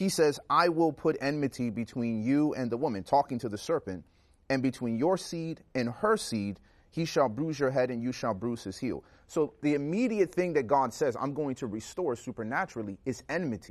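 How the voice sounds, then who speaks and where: At a moderate pace and medium pitch, a man with an unremarkable speaking voice uses lively intonation against a quiet background. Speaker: co-host, panelist. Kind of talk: prayer and Bible discussion.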